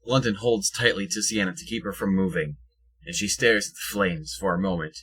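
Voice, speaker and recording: Husky, forceful low-voiced male narrator. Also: steady tone, fairly quick. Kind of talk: scripted narration of an audio drama.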